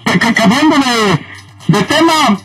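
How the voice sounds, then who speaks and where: A man's voice: very high-pitched, animated, measured pace, fairly bright tone, breathy edge, distant mic, faint music behind, rough recording. A man calling in to a sports radio show, from Mexico, talking casually and stammering through many restarts. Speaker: caller.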